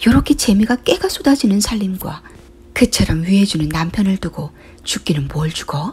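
Noticeable background noise sits under the speech. The tone is dramatic and the pace moderate. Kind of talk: audiobook reading of a literary short story.

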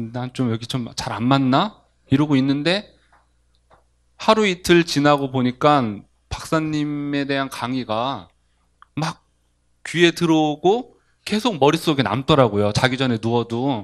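Against a quiet background, a man with a fairly high pitch speaks at a fairly slow pace with lively intonation and long, frequent pauses. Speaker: parent of sick child. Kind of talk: testimony. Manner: halting. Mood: candid, reflective. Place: hall. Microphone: handheld.

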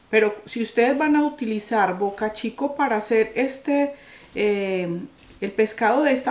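Ordinary pitch variation comes with delivery at a moderate pace. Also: woman. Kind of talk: cooking tutorial. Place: kitchen.

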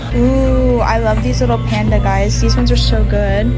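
Clear music plays behind a woman as she talks. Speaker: shopping vlogger. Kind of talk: casual vlog chat. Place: shop. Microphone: phone near.

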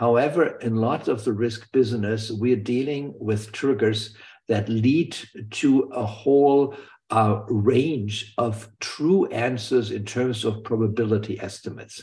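A man's medium-pitched, dark, mellow voice, somewhat breathy, at a fairly slow pace with ordinary pitch variation. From Germany. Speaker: risk researcher; conference panelist. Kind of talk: panel discussion. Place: home room. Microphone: video call.

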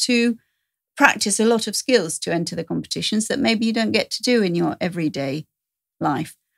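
With a London accent and vocal fry, a woman speaks at a moderate pace with lively intonation against a quiet background. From England, London. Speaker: hospitality executive; podcast guest. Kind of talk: interview. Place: studio. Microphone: studio mic.

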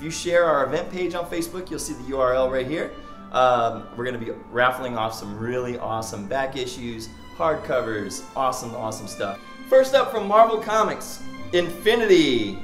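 With faint music behind and audible room echo, the speech moves at a moderate pace and swings widely in loudness. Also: man. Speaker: comic shop promoter. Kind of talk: casual promotional vlog chat. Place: shop. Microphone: phone near.

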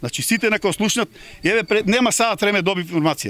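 A man talks at a very fast pace in a high voice for a man. The sound is dry, with no echo. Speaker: protest spokesman. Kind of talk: interview answer. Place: open country. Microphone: handheld.

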